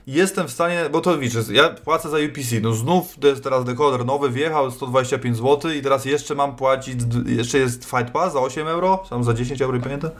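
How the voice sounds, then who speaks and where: A man's voice: medium pitch, a little fast, hardly any pauses. A man co-hosting a casual talk show, often hesitating and restarting his sentences. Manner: hesitant, many restarts and fillers. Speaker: podcast host. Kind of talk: casual chat.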